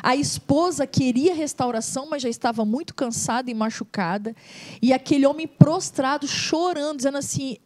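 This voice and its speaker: A middle-aged woman with a Brazilian accent, a missionary co-hosting a gospel TV interview. She talks in an emotive, preacherly way and draws key words out slowly. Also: high-pitched, darkish tone. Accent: Brazilian Portuguese. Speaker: missionary and co-host interviewing a pastor.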